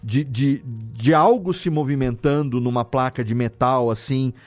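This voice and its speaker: A Brazilian man talking casually as an interviewed audio editor, explaining things in an animated way with rhetorical questions. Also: mid-range voice, a little slow, faint music behind. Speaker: audio drama editor and podcast guest.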